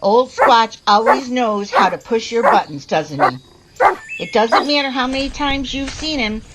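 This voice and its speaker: High-pitched, folksy backwoods woman, acted by a woman. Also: lively intonation, a little slow, very noisy. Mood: folksy chiding. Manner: rustic, chatty, exasperated folksy talk. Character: folksy backwoods woman, scolding and chatting to her dog. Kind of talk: audio drama acting, monologue to a pet.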